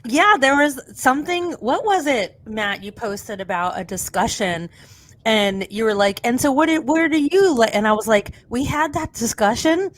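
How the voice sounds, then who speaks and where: A woman's voice: on the high side, lively intonation, normal speed, fairly bright tone. A woman hosting a podcast in casual chat, blunt and sweary, sounding sniffly with a cold. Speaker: podcast host.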